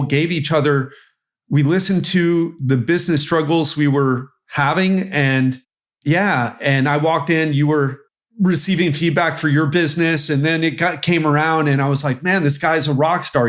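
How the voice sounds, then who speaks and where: A man hosting a podcast, introducing his guest in an upbeat, enthusiastic way. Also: a little high. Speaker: podcast host. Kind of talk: podcast interview.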